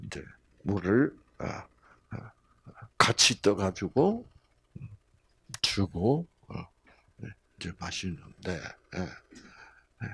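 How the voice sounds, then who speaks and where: A man's voice: low voice, very animated, extremely slow, pauses often, sharp tone, slightly rough. A middle-aged man from the region, giving a folksy health lecture with many hesitant fillers and homely humor. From Gyeongsang region, South Korea.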